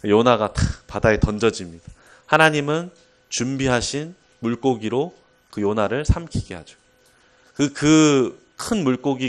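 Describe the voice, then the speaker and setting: Male preacher, lively storyteller, expressive rising and falling pitch, mid-range voice. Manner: animated storytelling with chuckles. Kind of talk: sermon.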